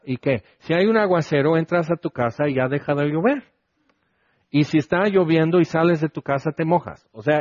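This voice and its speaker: A man's voice: fairly high pitch, a little mellow, no echo, lo-fi sound. A man preaching a conversational sermon, asking his listeners questions and acting out the lines he quotes.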